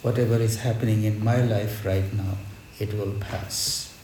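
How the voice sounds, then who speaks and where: Slow, reverent man preaching in an echoey space. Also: lowish voice, fairly even intonation. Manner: reverent, measured, reflective, with deliberate pauses. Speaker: spiritual teacher leading a devotional gathering. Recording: echoey space with background noise.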